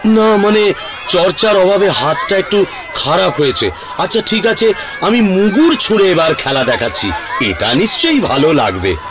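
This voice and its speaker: A man's voice: sits high, big pitch swings, normal speed, a crowd in the background. A man voicing a confident, well-meaning but clumsy strongman hero in a children's cartoon. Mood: confident, obliging. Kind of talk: Bengali children's cartoon dubbing. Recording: music behind the voice.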